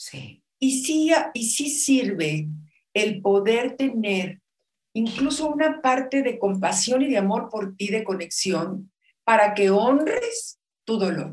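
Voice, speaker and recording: Lively intonation, a somewhat breathy quality, and a very slow pace. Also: woman, fairly high pitch for a woman. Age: 60s. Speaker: radio and TV presenter. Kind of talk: personal testimony.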